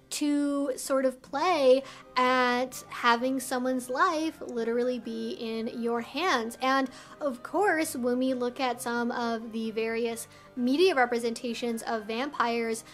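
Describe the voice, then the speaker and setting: A woman hosting an educational video, explaining things to the viewer in a measured, articulate and instructive way. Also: a little high, a bit bright.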